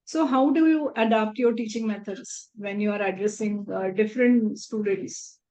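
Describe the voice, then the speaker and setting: A woman's voice: mid-range voice, moderate pace, mellow. A woman with an Indian English accent hosting an interview, introducing her guest and asking questions politely. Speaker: interview host.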